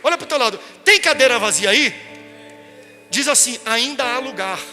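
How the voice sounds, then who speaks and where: A man's voice: very high-pitched, expressive, normal speed, bright, forceful tone, long reverb tail, faint music behind. A man with a Brazilian Portuguese accent, a pastor telling a story and preaching a sermon that builds to impassioned peaks. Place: large church hall.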